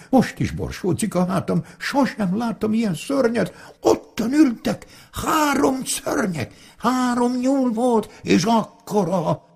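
A man's voice: high voice, gravelly, a little mellow, breathy edge, voice pushed up, exaggerated voice. A man voicing a frightened fox in a told folk tale, breathless and panicky.

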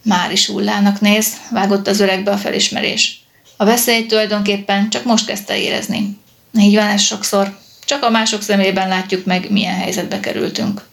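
A woman reading a novel aloud as an audiobook narrator, in an even storytelling manner. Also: medium pitch, vocal fry.

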